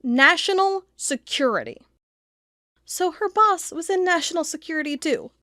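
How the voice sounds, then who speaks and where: A woman playing an agitated, suspicious, sharp-tongued investigator thinking aloud in an audio drama monologue. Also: very high voice, expressive, moderate pace, dry recording, studio quality, full character voice. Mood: agitated, angry. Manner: thinking aloud, emphatic, muttering to herself.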